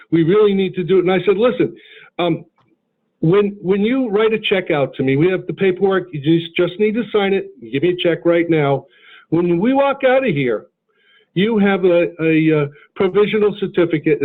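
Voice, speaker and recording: A man giving a motivational sales talk, telling stories earnestly and acting out the dialogue. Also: high voice. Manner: earnest storytelling, acts out dialogue. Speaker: insurance sales mentor. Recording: tinny phone-like line.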